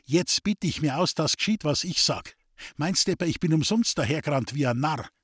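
A man voicing a hot-tempered young farmer's son who talks in Bavarian dialect, urgent and hoarse as he barks orders. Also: on the high side, expressive, normal speed, dry recording, clean studio sound, voice pushed up. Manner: urgent, commanding, hoarse shouting.

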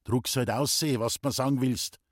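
A man's voice: mid-range voice, fairly even intonation, fairly quick, no room sound, lightly acted. A man voicing a terse, brooding young village carver. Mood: curt. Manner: terse, dry.

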